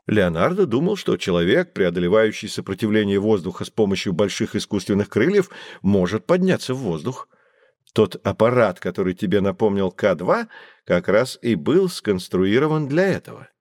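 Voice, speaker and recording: A man playing a patient professor who explains things calmly to children in an audio drama. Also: lowish voice, moderate pace, no echo. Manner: calm, lecturing explanations. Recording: dry studio recording.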